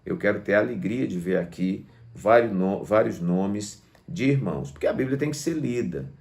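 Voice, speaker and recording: Male pastor, lowish voice, didactic Bible teacher stressing key words for online students. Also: expressive, normal speed, creaky, a little mellow. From Brazil. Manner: didactic, emphatic on key words, often seeks agreement with tag questions. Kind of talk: Bible lesson to online viewers.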